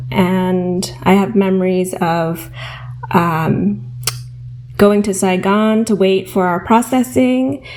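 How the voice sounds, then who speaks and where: A woman with an American accent speaks at a very slow pace and medium pitch, with ordinary pitch variation and noticeable background noise. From New Jersey, US (emigrated from Vietnam as small child). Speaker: education counselor and anthropologist. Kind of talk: interview podcast.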